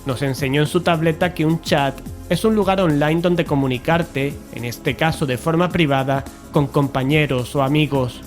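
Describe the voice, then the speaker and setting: A man's voice: on the high side, moderate pace, few pauses, lightly acted. An actor from playing a serious, technology-naive investigator who narrates his own story in an audio drama. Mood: measured, puzzled. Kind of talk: audio drama dialogue and first-person narration. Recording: music bed behind the voice.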